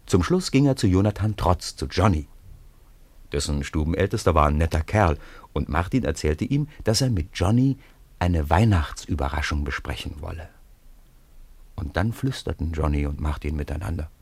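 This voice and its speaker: A low-pitched man tells a children's story in a radio play. His delivery is measured and conversational, recorded very dry, as if speaking straight to his young listeners. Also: lively intonation, a little mellow, slightly rough, no room sound. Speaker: storyteller narrator.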